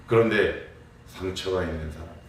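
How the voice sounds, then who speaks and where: A man's voice: deep voice, normal speed, slight background noise. A man preaching a morning prayer sermon as pastor, explaining with rhetorical questions and acting out everyday dialogue. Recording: very echoey, mic far off.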